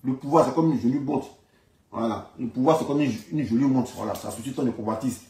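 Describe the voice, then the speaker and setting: A man's voice: medium pitch, brisk, dark tone. A man with an Ivorian accent delivering an informal political rant in an emphatic, repetitive, indignant manner. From Ivory Coast. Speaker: online political commentator. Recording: roomy echo, distant microphone.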